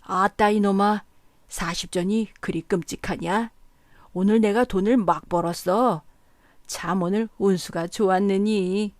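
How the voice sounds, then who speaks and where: Woman playing a drunk poor rickshaw puller, loud and boastful, cursing his friends; audiobook. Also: mid-range voice, unhurried, no room sound, natural voice. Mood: drunk angry. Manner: bellowing, cursing, slurring boasts.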